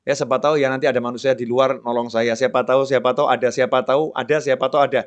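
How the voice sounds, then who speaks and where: A middle-aged man preaching a conversational sermon, dropping to a softer, lower voice to act out prayers and dialogue. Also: fairly even intonation, racing, lo-fi sound.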